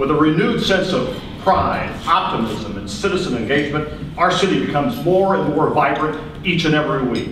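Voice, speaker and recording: With noticeable background noise and audible room echo, a man talks at a fairly quick pace. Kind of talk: formal speech. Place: hall. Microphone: podium.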